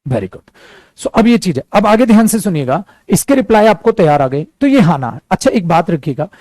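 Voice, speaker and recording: A man with an Indian accent teaching spoken English, mixing Hindi and English, repeating his English lines slowly and calling his students "beta" and "dear". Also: high-pitched, big pitch swings, a little mellow, no room sound. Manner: addresses listeners fondly as "beta" and "dear".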